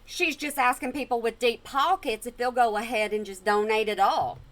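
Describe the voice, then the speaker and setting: A woman's voice: on the high side, normal speed, a little hiss or hum. A woman hosting a reaction video at home, making sarcastic, sassy remarks back at a clip. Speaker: reaction channel host. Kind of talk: casual commentary over a clip.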